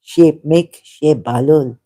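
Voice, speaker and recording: A non-native English speaker hosting a solo video, rambling casually in a halting, giggly, digressive way and reading out bits of anecdote. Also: medium pitch, warm tone. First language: not English.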